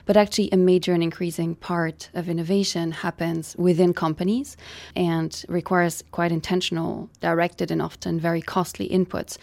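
A middle-aged woman from Bulgaria, an economics professor, answering interview questions in a measured, academic way. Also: fairly low pitch, vocal fry, darkish tone, no room sound. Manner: measured, academic, frequent "you know".

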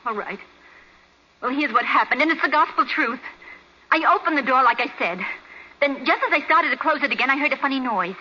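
An actress playing a naive, nervous hotel chambermaid with folksy working-class diction, in 1940s radio drama style. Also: female voice, high voice, expressive, brisk, sharp tone. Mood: confessing, earnest. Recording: muffled, noisy 1940s radio recording.

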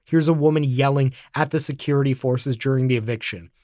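A man narrating an investigative report in scripted, measured form. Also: mid-range voice, no room sound, studio quality. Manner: measured, even delivery. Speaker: documentary narrator.

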